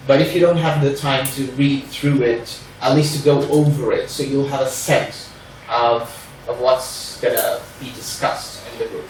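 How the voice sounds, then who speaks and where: A man's voice: medium pitch, fairly even intonation, moderate pace, darkish tone, slight background noise. Portuguese-accented man in an echoey room. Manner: careful, hedging, many "sort of" fillers. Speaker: reading group organizer. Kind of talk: informal introductory talk to a group. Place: room at a group meeting. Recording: very echoey room, mic far off.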